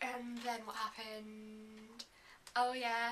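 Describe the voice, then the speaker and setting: With an English accent, a woman speaks very slowly in a high pitch and a flat, monotone intonation. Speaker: vlogger. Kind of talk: casual chat.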